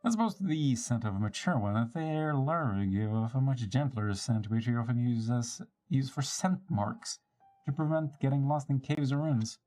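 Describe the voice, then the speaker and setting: A man's voice: medium pitch, moderate pace, dark tone. A man live streaming a dramatic read-aloud of video game dialogue, acting out the lines and now and then stumbling over a word. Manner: theatrical, switches between character voices, stumbles and rereads lines. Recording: music behind the voice.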